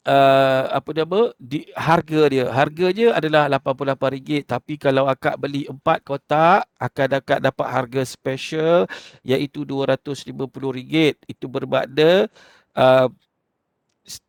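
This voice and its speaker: High-voiced Malaysian Malay man teaching. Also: no echo, clean studio sound. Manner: conversational, explains step by step, many fillers and self-corrections. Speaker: online marketing trainer. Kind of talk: instructional talk.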